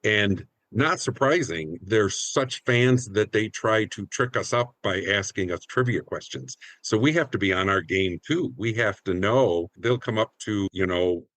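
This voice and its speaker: A man's voice: on the low side, unhurried, hardly any pauses, fairly bright tone, no room sound, rough recording. A middle-aged American man reminiscing casually as a community theater actor in a group interview.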